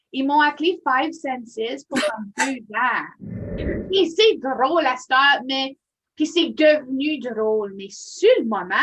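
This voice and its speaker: A middle-aged woman telling stories in casual conversation, emphatic and lively. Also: a little high, poor audio. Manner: lively, emphatic, animated storytelling. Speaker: guest in group discussion. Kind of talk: casual storytelling.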